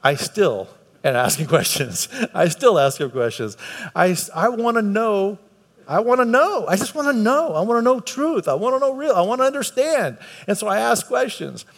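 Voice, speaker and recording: A man's voice: high-pitched, very animated, moderate pace, vocal fry. An earnest man delivers a conversational sermon, his somewhat raised voice climbing whenever he leans on a point. He repeats words and phrases for emphasis. His voice carries with a long reverb through a church hall filled with a congregation. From United States. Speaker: preacher.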